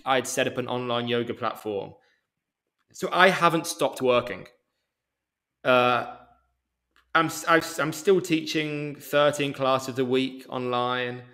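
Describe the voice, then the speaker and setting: A man from England with a mild Birmingham accent, a yoga teacher chatting as a podcast guest, speaking deliberately and a little slowly. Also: mid-range voice, a bit bright. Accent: mild Birmingham English. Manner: deliberate, slowed speech for international listeners. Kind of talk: casual interview chat.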